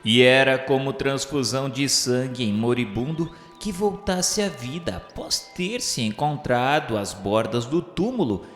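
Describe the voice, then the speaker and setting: A man with a Brazilian accent gives a solemn, formal, scripted literary narration in the style of a radio novela. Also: medium pitch. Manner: solemn, formal, measured delivery. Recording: echoey hall-like reverb, music behind. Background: music.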